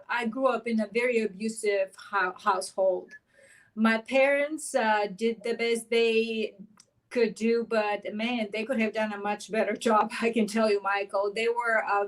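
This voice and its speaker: A middle-aged woman from Bulgaria speaks as a guest, telling her life story earnestly. Her voice sits a little higher than most women's. She speaks with energy and conviction. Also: low-quality recording. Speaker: author and life coach, guest. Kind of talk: personal storytelling in an interview.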